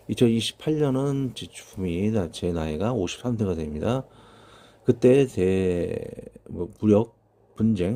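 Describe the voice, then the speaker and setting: Pastor in his fifties, low and gravelly, talks through his sermon casually. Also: warm tone. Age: 50s. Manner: conversational, thinking aloud with many fillers. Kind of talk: sermon reading and commenting on prophecies.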